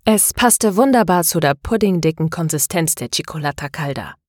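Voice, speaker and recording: A woman reading a novel aloud as an audiobook narrator, in a calm, even manner. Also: sits low, moderate pace, no room sound, clean studio sound. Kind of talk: scripted narration.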